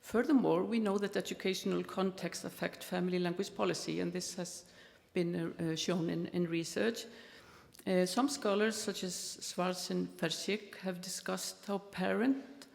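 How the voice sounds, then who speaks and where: A woman's voice: on the low side, steady tone, normal speed, vocal fry, a little mellow. A middle-aged woman with an Icelandic accent giving an academic keynote talk, speaking carefully with frequent fillers. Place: large conference hall. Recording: long hall reverb.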